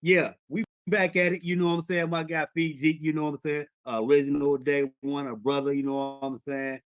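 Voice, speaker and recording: A man's voice: fairly high pitch, flat delivery, fairly quick. A man hosting an interview, talking in a laid-back way with lots of slang fillers. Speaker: host. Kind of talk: casual interview talk.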